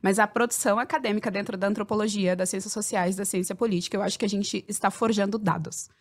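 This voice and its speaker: A woman in her thirties, a sociology researcher, talking on a podcast panel in an animated, emphatic, jokey way. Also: mid-range voice, fast.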